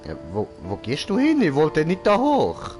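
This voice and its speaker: Joking Swiss German let's play host. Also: male voice, on the high side, huge pitch swings, normal speed, darkish tone, soft background music. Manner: joking, slangy, talks to the game character. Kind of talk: casual gameplay commentary.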